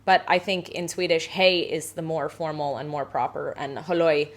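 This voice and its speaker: A woman's voice: low-pitched, steady tone, moderate pace. A woman in her thirties from Southern California with a Southern Californian accent, answering viewer questions in a casual, self-deprecating vlog full of "like". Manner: chatty, self-deprecating, filler-heavy with frequent "like". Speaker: home baker and vlogger.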